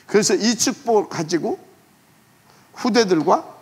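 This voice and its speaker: A man preaching a sermon as pastor, emphatic, asking rhetorical questions and letting phrase ends trail off quietly. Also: high voice, animated, a little slow, breathy edge.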